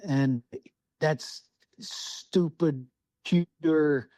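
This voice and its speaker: A man's voice: on the high side, extremely slow, dark tone, no room sound. A man from Southwest Alaska, a podcast guest telling a hunting story in casual, profane storytelling, acting out his own thoughts. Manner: salty, swears freely, acts out his own thoughts.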